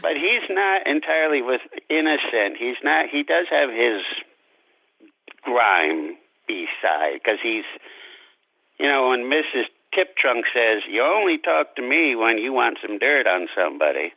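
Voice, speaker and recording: A man speaking as an interviewed author, chatting reflectively and haltingly about his fiction, on a slightly dull radio-like recording. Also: medium pitch, big pitch swings, creaky, sharp tone, no echo. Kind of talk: casual interview chat about his own story.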